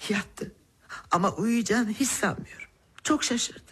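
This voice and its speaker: An actress playing a worried, devout mother of grown daughters in a television drama, with a husky, breathy voice. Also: medium pitch, a little slow, fairly bright tone. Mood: weary, anxious.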